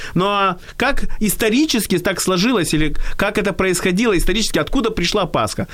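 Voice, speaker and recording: A man talks at a fairly quick pace. His pitch is high, with ordinary pitch variation. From Odesa, Ukraine. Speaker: radio host. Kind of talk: casual radio conversation. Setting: studio.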